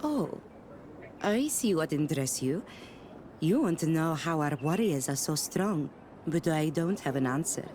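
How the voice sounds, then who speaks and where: A playful tribal woman in a fantasy game. She speaks in teasing, cryptic, simply formal phrases, over clear ambient noise. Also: low voice, lively intonation, measured pace, a little mellow. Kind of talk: video game dialogue.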